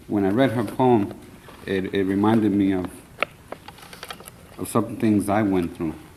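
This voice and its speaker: Fairly low-pitched male voice with fairly even intonation at a moderate pace, over noticeable background noise. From Puerto Rico, then Paterson, New Jersey. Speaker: poet. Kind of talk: poetry reading.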